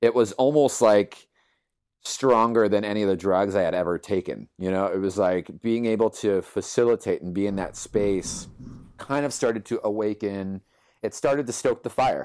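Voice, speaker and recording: A man's ordinary speaking voice, fairly low in pitch with ordinary pitch variation, at a moderate pace, in a very clean recording with a silent background. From East Los Angeles, California. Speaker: yoga instructor. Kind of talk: personal story interview.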